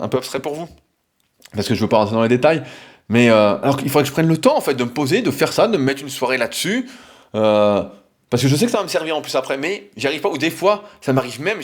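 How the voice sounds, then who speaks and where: A man hosting a solo podcast, talking in a rambling, hesitant way with many fillers and restarts. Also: medium pitch. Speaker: podcast host.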